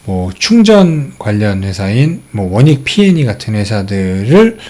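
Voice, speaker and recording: Middle-aged male host, lively pitch, casual filler-heavy stock commentary. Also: unhurried. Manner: explains charts step by step with many fillers.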